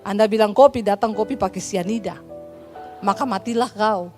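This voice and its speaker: A woman pastor with an Indonesian accent preaches a sermon through lively storytelling, acting out the voices of the people in her stories and adding humorous asides. Her pitch is medium and her pace moderate, with faint music behind her.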